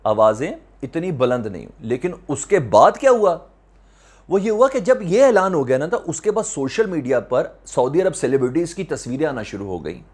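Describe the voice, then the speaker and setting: A man's voice: a little high, very animated, moderate pace, a little mellow. A man with a Pakistani accent giving current affairs commentary to viewers, emphatic, repeating phrases and asking rhetorical questions, with English words mixed in. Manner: mixes English words into speech. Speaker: host of a news commentary video channel.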